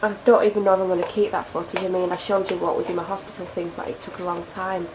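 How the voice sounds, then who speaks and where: A young woman films a casual vlog at home, congested and snotty with a cold, rambling and chatting with plenty of self-deprecation. Her voice is on the low side, level in tone and quick. The indoor recording on a camera mic has a noisy background.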